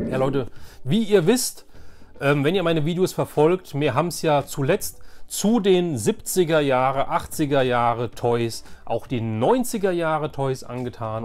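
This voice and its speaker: A man hosting a casual show-and-tell collecting vlog, enthusiastic and rambling, often repeating himself. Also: mid-range voice. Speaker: host of a toy collecting channel.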